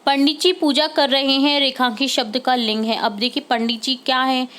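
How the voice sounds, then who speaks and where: A woman, a teacher going through worksheet answers, patiently repeating each answer slowly and mixing in English words. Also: high-pitched, steady tone, fairly bright tone.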